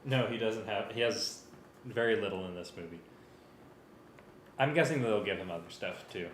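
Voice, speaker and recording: A man's voice: lowish voice, moderate pace, a little hiss or hum. A man talking casually as he directs a music rehearsal, thinking aloud in a hesitant, working way. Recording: roomy sound with music playing.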